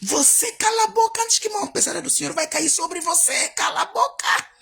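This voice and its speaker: A woman voicing a female church elder who scolds someone in a shrill, commanding way. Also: animated, fairly quick, vocal fry, fairly bright tone, heavily acted. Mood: furious. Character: church elder woman shouting a furious rebuke.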